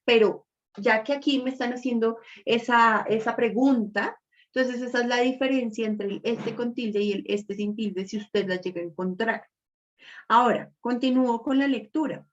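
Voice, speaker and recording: Woman, teacher, explanatory, tag questions, higher voice, dull lo-fi audio. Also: moderate pace. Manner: explanatory, checks understanding with tags. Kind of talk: online reading class.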